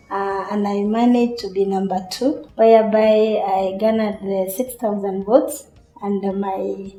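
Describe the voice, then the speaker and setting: A woman's voice: mid-range voice, mellow. A woman with a Kenyan accent giving interview testimony for a documentary, as someone who stood for election. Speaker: election candidate and former social worker. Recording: roomy echo, faint music behind.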